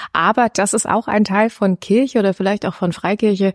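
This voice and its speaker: The speech comes at a fairly quick pace with fairly even intonation. The sound is dry and close, with no echo. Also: woman. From Germany, Cologne. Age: 30s. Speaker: pastor. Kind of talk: interview conversation. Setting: in-person, church office room.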